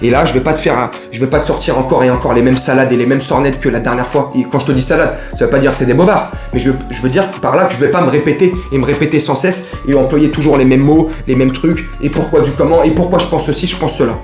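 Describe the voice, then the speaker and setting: In an echoey room with faint music behind him, a man who vlogs about football talks fast, with few pauses, in a medium-pitched, slightly mellow voice. His casual mercato chat to camera rambles, jokes in slang, and speaks right to his viewers.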